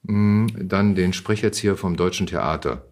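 A man in his fifties telling stories casually in an interview, thoughtful and halting as he searches for words. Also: low-pitched, a little mellow. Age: 50s. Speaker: actor and podcast guest.

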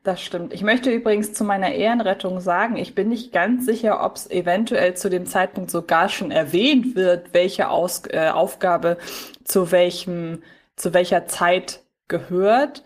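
Woman chatting in a deliberate, explanatory way. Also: fairly low pitch, steady tone. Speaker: podcast co-host. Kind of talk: casual discussion.

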